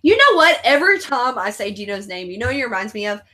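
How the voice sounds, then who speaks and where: A woman's voice: fairly high pitch, sing-song, fast talker, sharp tone. A woman around thirty hosting a casual movie watch-along, crude and joking, reading out viewer comments. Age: 30s. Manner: crude, joking, reads chat comments aloud. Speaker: host.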